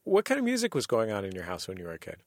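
Low gravelly male interview host. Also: rapid-fire, no echo. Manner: calm, curious questioning. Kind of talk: radio interview. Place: radio studio.

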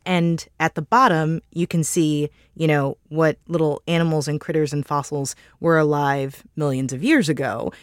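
A woman's voice: low-pitched, fairly even intonation, moderate pace, few pauses, no echo, studio quality. A woman co-hosting a podcast in casual chat, laughing often. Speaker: co-host.

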